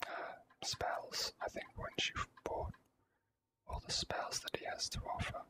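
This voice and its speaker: Casting: ASMR gaming host, fully whispered, very slow delivery, hesitant and formally worded. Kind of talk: whispered ASMR game commentary.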